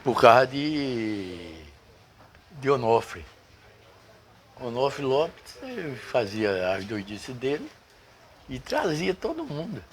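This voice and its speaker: An older man, a doctor reminiscing in casual conversation, halting and searching for names. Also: medium pitch, very animated, a little hiss or hum. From Brazil. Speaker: guest doctor.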